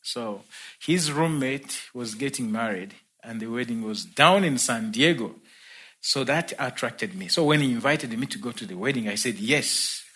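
In church, a Ugandan preacher with a Ugandan accent tells his own conversion story as a sermon testimony. His medium-pitched voice moves at a normal speed with lively intonation, and he laughs easily between points in warm storytelling.

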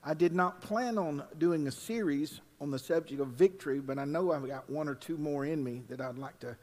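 An older man, a pastor preaching at a pulpit microphone, mixing folksy asides with loud, drawn-out scripture reading. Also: a little high. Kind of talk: sermon. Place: church sanctuary. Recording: long reverb in a church hall.

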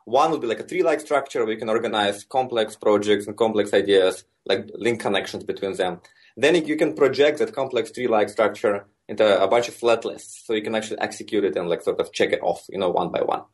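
Russian-accented man, husky and easygoing. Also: on the low side, a little fast. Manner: relaxed and explanatory, many fillers like "like" and "you know". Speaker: software engineer guest. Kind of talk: conversational interview answers.

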